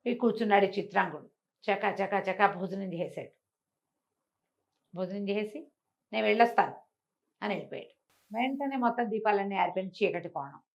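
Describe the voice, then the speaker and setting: Female storyteller for bedtime folk tales, conversational, repetitive phrasing, medium pitch, slightly muffled recording. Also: moderate pace, pauses often. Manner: conversational, with repetition and acted dialogue. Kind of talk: animated oral telling of a bedtime folk tale.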